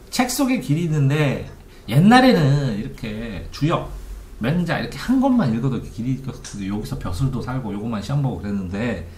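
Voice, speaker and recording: A man giving an informal lecture on study methods as a coach, asking his listeners rhetorical questions. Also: medium pitch. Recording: echoey room.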